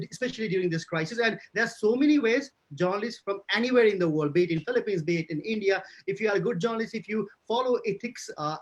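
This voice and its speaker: A man from Nepal whose first language is not English, a journalist answering questions on a virtual conference panel, halting, with many fillers and restarts. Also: sits high. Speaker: journalist and podcast host. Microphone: video call. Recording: dull lo-fi video call audio.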